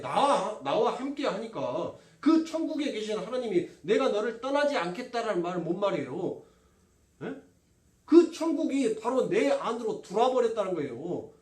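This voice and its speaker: A man's voice: high-pitched, a little mellow. A man preaching a sermon, asking the congregation questions and answering them himself. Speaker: pastor. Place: church sanctuary. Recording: roomy church from a distance.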